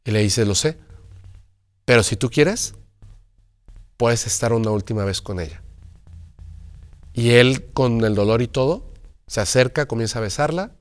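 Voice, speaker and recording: Casting: man as a guest storyteller, dramatic delivery, middle-pitched voice. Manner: dramatic storyteller who acts out dialogue. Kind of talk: telling a paranormal story in conversation.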